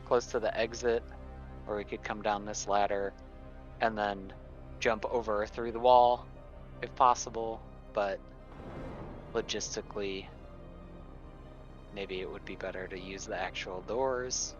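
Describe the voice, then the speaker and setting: A man's voice: fairly low pitch, steady tone, a little slow, long pauses, faint music behind. A man playing a tabletop game, casually and thoughtfully talking through tactics on a slightly muffled voice track. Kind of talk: casual in-game planning chat. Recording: slightly dull, band-limited voice track.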